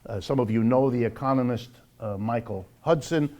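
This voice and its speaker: An older man speaks as the host of a public lecture. His voice sits at a medium pitch. He is deliberate and emphatic, stretching stressed words and letting asides fall away. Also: warm tone, dull audio. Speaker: host and lecturer of an economics program. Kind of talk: public lecture with announcements, spoken to a live audience.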